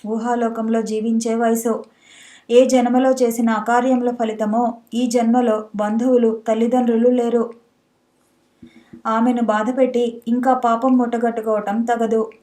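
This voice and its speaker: Mellow-voiced woman narrating a novel. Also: a little high. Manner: steady, measured reading. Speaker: audiobook narrator.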